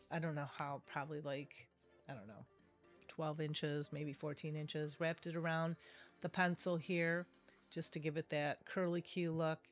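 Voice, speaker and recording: Nasal middle-aged woman with a cold. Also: deep voice. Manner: chatty, rambling, self-correcting. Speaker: craft video host. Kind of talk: casual craft tutorial voice-over.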